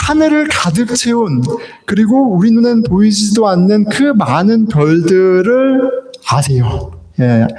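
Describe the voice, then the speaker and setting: A man preaching a sermon as pastor, lively, acting out little dialogues and laughing now and then. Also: sits high. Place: church sanctuary. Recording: echoey church hall.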